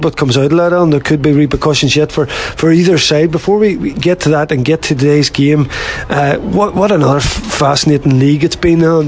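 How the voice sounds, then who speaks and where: A man hosts a sports interview. His voice is high for a man and he moves along very quickly, putting questions and comments in a conversational way. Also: a little hiss or hum. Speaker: interviewer and host.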